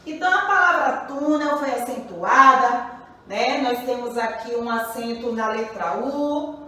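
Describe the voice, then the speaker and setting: Teacher, female, slow and patient, echoey room, distant mic. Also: fairly high pitch, bright, forceful tone. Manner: slow, patient, repeats questions to pupils. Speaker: primary school teacher. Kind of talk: recorded grammar lesson for children.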